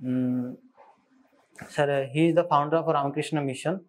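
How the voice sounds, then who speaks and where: A young man from eastern India with an Odia Indian accent, giving halting, deferential answers as an interview candidate. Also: on the high side, steady tone, poor audio. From Odisha, India. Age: young adult. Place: indoor studio, seated. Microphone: lapel.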